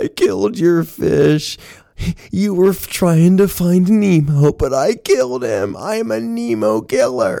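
A man's put-on character voice, high-pitched, at a fairly slow pace. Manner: sobbing, distraught.

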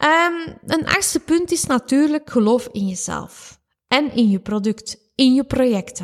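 Recorded dry and close with no echo, a woman speaks very slowly in a high voice that swings very widely in pitch. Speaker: business mentor and podcast host. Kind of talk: solo podcast monologue. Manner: enthusiastic.

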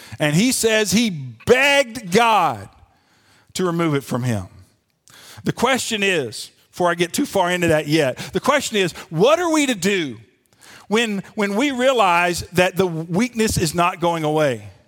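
A man's voice, high in pitch and fairly slow, with very wide pitch swings. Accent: Southern US. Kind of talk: sermon. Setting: church.

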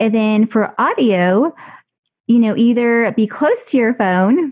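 An unremarkable speaking voice belongs to this woman, whose fairly high pitch shows ordinary variation. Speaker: filmmaker and video marketer. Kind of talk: interview.

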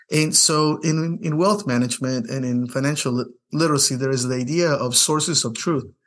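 A man talks in a fairly high voice. The background is quiet. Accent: Spanish. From Latin America, moved to US at 10. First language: Spanish. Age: 40s. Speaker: podcast host, financial advisor. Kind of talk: solo podcast monologue.

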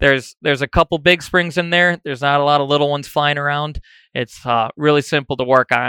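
A man with a fairly high pitch talks at a very fast pace in a bright, sharp tone with fairly even intonation. The sound is dry and close with no echo, and the background is quiet. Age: 30s. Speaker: shotgun manufacturer executive. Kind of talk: interview. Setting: trade show. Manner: frequent filler words.

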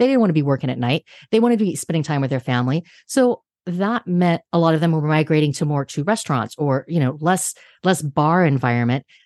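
Speaking very fast with an American accent, a woman uses lively intonation and a very deep, low pitch. The sound is dry and close with no echo, over a quiet background. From United States. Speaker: cocktail blogger and author. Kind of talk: casual chat.

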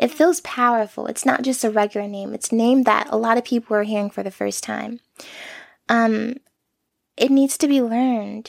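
Soft-spoken and fairly high in pitch, a woman talks at a moderate pace with fairly even intonation. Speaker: podcast host. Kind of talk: solo monologue, personal reflection. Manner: soft-spoken, laid back.

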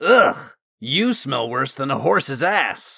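In a put-on character voice, a man speaks slowly with a bright, sharp tone, vocal fry, a slightly husky edge and big pitch swings. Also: medium pitch for a man.

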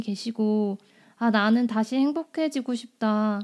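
The recording is very clean. A woman talks over a silent background. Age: 30s. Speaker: podcast host, psychiatrist. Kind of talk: interview podcast.

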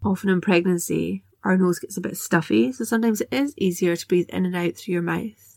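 Speaking in a normal speaking voice, a woman keeps a moderate pace at medium pitch with ordinary pitch variation, in a dry, close sound with no echo. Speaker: hypnobirthing teacher and doula. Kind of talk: guided meditation.

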